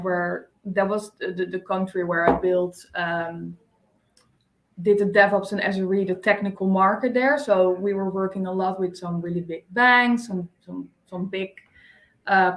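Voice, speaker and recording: A woman recruiter talks quickly as a guest in a casual interview, dropping frequent likes. Her mid-pitched voice carries a roomy echo. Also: steady tone. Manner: quick, uses like as a filler.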